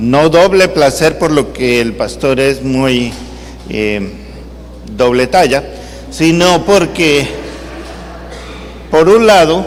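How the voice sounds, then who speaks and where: A man with a fairly high voice talks very slowly and with lively intonation, leaving long, frequent pauses, while noticeable background noise and audible room echo fill the recording. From Peru, Lima. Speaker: guest preacher. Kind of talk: sermon. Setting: church.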